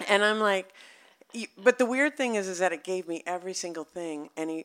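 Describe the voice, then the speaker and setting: A woman with an American accent has an ordinary speaking voice at a medium pitch, with lively intonation at a moderate pace. The recording is very clean, with a silent background. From US Midwest, Minneapolis. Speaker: TV writer and memoirist. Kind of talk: reading aloud and panel Q&A. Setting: bookstore stage with audience.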